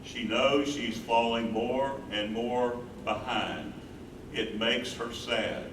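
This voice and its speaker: A man's voice: medium pitch, slow pace, close to an everyday voice. A man playing a tender, mournful aging husband and caretaker in a staged reading. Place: live staged reading in an echoey room. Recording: roomy, distant, noisy stage recording.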